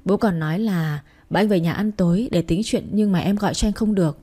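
A woman's voice: fairly low pitch, fast, warm tone, slightly rough. A woman voicing a pampered young mistress who coaxes and clings to her lover. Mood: coaxing. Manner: coaxing and clingy.

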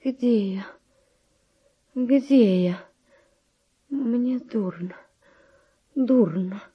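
An actress playing an anguished, wavering, tender woman in a radio verse drama, breathy and often dropping to a whisper. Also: fairly high pitch, drawn-out words, lo-fi sound, exaggerated voice. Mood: shocked, faint. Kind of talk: classic Russian radio drama acting of verse.

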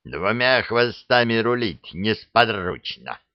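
A man doing a slow plain-spoken dragon head. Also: on the low side, expressive, no room sound, highs cut off. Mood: matter-of-fact. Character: matter-of-fact dragon head, male, slow-witted.

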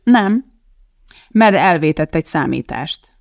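A blunt, determined woman, as an audiobook reader voices her, speaking in a firm, matter-of-fact way. Her voice carries a gravelly edge. The sound is close and dry with no room to it. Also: medium pitch, lively intonation, dry recording. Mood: indignant. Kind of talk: audiobook character voice.

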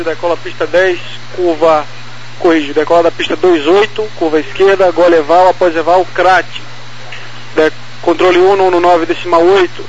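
Brazilian male ground controller, high even monotone, clipped radio callouts through a muffled channel. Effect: aviation radio. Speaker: air traffic ground controller. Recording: muffled, noisy air traffic radio.

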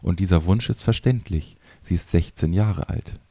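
A man voicing a wise older sage in an audiobook, who speaks softly and with understanding. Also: deep voice, normal speed, no echo. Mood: gentle. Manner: soft, understanding.

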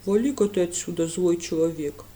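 A woman voicing a grumpy young male guard who speaks gruffly and sarcastically. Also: on the low side, a little fast, warm tone, voice pushed down, close to an everyday voice.

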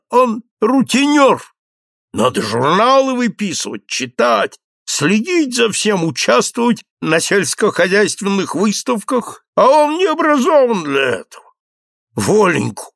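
A man reading aloud and voicing a drunken, tearful, excitable count in a high, wavering, giggling voice, gushing and pleading. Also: creaky, no echo, studio quality, heavily acted.

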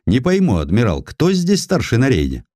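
A man's voice: mid-range voice, huge pitch swings, normal speed, a little mellow, no room sound, clean studio sound, pitched above the performer's own voice. A man voicing a bold, composed Russian naval lieutenant in an audiobook, courteous, formal and firm. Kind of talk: audiobook character acting.

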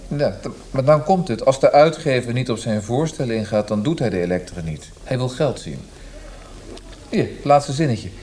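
An actor playing a proud, fretful poet in a radio drama, speaking in an earnest, precise, grumbling way. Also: male voice, medium pitch, lively intonation, normal speed, mellow, slight background noise, natural voice. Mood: indignant. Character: proud, fretful, melancholy male poet and librettist.

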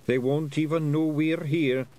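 A man voicing a dim-witted, boastful little pixie with a broad Scottish accent, talking in a slow, bumbling way. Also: on the high side, steady tone, dark tone, voice pushed up, close to an everyday voice.

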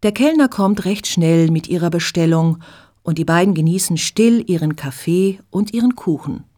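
A woman reading a story aloud as narrator, slowly and clearly. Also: fairly low pitch, animated, dark tone.

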